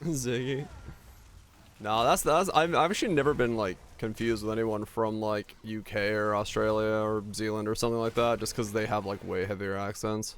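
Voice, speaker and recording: A man's voice: on the low side, steady tone, normal speed, a little hiss or hum. A young man from Finland with a neutral North American accent, chatting casually and ramblingly with his stream viewers and swearing now and then. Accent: neutral North American English. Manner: laid-back, rambling, swears casually, restarts often. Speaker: game streamer.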